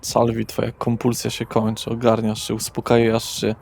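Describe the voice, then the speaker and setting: A man's voice: medium pitch, completely flat delivery, moderate pace, gravelly, a little mellow, slight background noise. A man working as game master, narrating an improvised horror roleplaying session.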